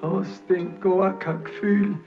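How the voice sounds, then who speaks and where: Brief: an old, gouty millionaire peasant, very high and slow, cranky and self-pitying; dull old film sound. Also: male voice, little pitch movement, music in the background. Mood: grumbling. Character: aged, gout-ridden rich peasant, self-pitying and cranky.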